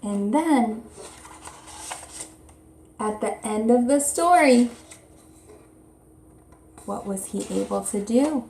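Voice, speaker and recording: A woman teacher reading a children's story aloud expressively and pausing to explain and ask questions in simple, child-directed language. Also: on the high side, animated, gravelly, a little mellow, a little hiss or hum. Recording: roomy, echoey indoor sound.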